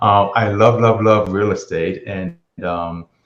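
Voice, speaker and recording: Speaking at a moderate pace, a man uses a fairly low pitch and sounds somewhat breathy. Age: 60s. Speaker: real estate agent. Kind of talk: interview.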